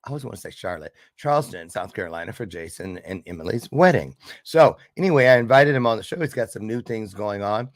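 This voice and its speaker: A man's voice: lowish voice, expressive, fast talker, hardly any pauses, no echo, clean studio sound. A man hosting a casual video chat show, asking playful, teasing questions. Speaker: show host. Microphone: video call.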